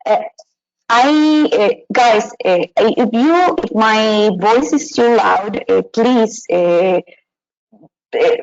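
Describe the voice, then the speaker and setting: A woman's voice: fairly high pitch, drawn-out words. A young woman from Mexico presenting a live online teaching webinar from a small room, hesitant with many fillers and restarts. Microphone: webcam and computer mic. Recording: dull lo-fi webinar audio.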